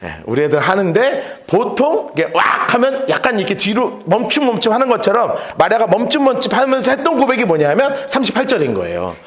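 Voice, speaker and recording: A male pastor preaching a sermon in a church on a handheld microphone, telling the story in an animated way and acting out the voices of the people in it. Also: sits high, fairly quick, few pauses. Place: church sanctuary. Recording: echoey church hall.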